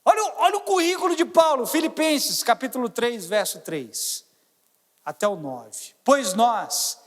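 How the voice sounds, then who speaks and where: Animated Brazilian pastor with a high voice. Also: male voice, long reverb tail. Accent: Brazilian Portuguese. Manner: animated, swings between loud exclamations and quiet asides. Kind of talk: sermon.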